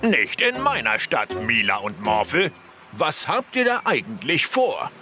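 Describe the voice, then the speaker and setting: A man's voice: medium pitch, huge pitch swings, measured pace, bright, forceful tone, heavily acted. A man voicing a stern, bossy police officer in a children's cartoon, scolding and commanding. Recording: music behind.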